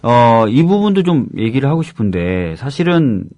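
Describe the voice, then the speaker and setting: A man commentating on a talk show, laying out facts point by point in a measured way. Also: mid-range voice, big pitch swings, a little mellow, no room sound. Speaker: panel commentator.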